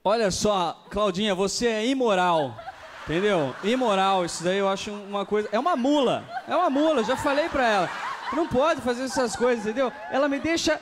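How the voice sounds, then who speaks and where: High-pitched young Brazilian man doing stand-up. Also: a little fast. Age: young adult. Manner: animated, exclaiming, repeats phrases. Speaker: stand-up comedy contestant. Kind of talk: improvised stand-up comedy. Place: TV studio stage with live audience. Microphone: handheld. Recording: noisy studio with audience laughter.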